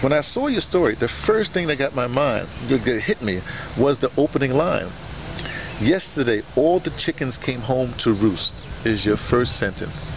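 A man interviewing casually, speaking in a halting way and often repeating words and phrases. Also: medium pitch, very animated, gravelly. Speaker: interviewer, audio dramatist. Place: outdoors in a courtyard beside a building. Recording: noisy outdoor recording, urban traffic ambience.

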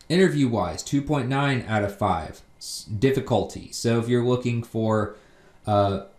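Man, low voice, plain casual explainer, reading and paraphrasing listings, echoey room sound. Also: darkish tone. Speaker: online job tips video host. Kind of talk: casual explanatory screen-share narration.

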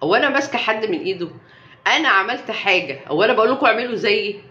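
A woman's voice: mid-range voice, expressive, rapid-fire, pushed and bright, dull audio. Defiant Egyptian woman on an echoey live stream. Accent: Egyptian Arabic. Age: young adult. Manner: emphatic and defiant, with repeated rhetorical questions. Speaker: health vlogger. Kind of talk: casual live-stream talk.

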